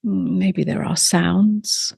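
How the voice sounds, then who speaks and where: This is a soft-spoken female meditation teacher guiding listeners in short, slow phrases with long silences between them, her tone gentle and breathy. Her voice is fairly low and steady, recorded at studio quality with no room sound.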